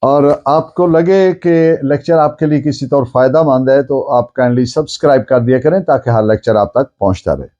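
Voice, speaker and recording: A man with a Pakistani accent explains points of law in a lecture, deliberately repeating and rephrasing the key ideas. His voice is medium-pitched and dark, with the highs cut off.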